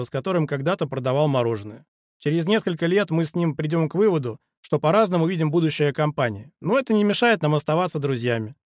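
A man in his forties reading his own audiobook in an earnest, measured way, speaking straight to the listener. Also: fairly high pitch, no echo, clean studio sound. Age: 40s. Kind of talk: audiobook narration.

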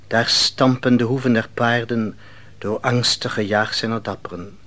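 An actor playing a solemn biblical bard who recites a war song in declamatory, poetic phrases for a radio play. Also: male voice, mid-range voice, steady tone, moderate pace, a bit bright, lightly acted. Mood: rousing. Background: music.

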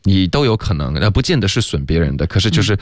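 A man teaching English on a radio lesson, explaining pronunciation slowly and laughing often. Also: deep voice, very animated, no room sound, studio quality.

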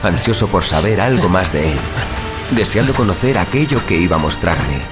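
A man plays a brooding killer who roams the night in an audio drama. His voice sits a little low and moves expressively, with a Castilian Spanish accent and a wry, coarse turn of phrase. Music runs behind him. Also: animated, normal speed. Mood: brooding narration. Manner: wry, foul-mouthed, colloquial. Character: brooding, sarcastic male night-prowling killer who narrates his story. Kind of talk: audio drama dialogue and first-person narration.

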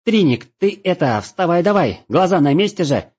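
An impatient elf grumbles and whines in a raised, husky voice, as a male narrator plays him. The lines bounce about in pitch. The recording is dull and lo-fi. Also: big pitch swings, moderate pace, darkish tone, full character voice. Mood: grumbling. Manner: grumbling, whiny.

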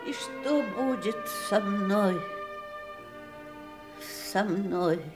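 An actress playing a bitter, wounded middle-aged wife in a theatrical audio drama, with emphatic, anguished delivery. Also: female voice, mid-range voice, very slow, music in the background. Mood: despairing. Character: bitter, wounded ageing wife of a dying famous man. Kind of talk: theatrical Russian radio drama acting.

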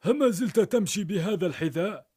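A man voicing an earnest old male friend who gently scolds, in a told story. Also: fairly high pitch, animated, normal speed. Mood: reproachful. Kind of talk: storybook narration.

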